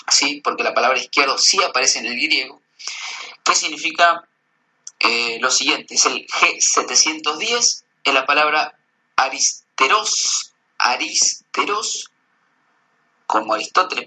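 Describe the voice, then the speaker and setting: A man with a sharp, very bright voice and a slightly high pitch reads out lists of words and their meanings. He goes slowly and haltingly, like a casual voice message. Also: low-quality recording. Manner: reads slowly, spells out terms, hesitant. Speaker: researcher sending voice messages.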